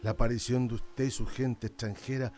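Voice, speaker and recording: An actor playing a weary, gentle old indigenous islander in a radio drama, speaking solemnly. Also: male voice, medium pitch, flat delivery, over music, natural voice. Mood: solemn, grateful. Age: older. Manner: solemn, measured, formal.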